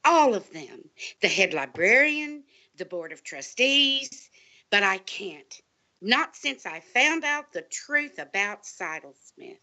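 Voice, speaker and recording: Woman playing an intense, bright-voiced conspiratorial librarian. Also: mid-range voice, big pitch swings, slow, heavily acted. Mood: urgent, defiant. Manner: dramatic, urgent, portentous. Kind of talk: scripted audio drama, suspenseful monologue.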